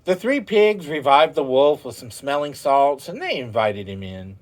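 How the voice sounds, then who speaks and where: A man's voice: medium pitch, very animated, moderate pace. A man reading a children's story aloud in a theatrical way, drawing out words for emphasis and speaking directly to his listeners. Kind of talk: animated children's story narration.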